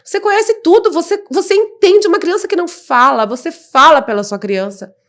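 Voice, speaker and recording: A woman's voice: extremely high pitch, a little fast, fairly bright tone. A Brazilian woman, a mother telling her story in a podcast interview, blunt and impassioned. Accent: Brazilian Portuguese. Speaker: guest, mother of an autistic child.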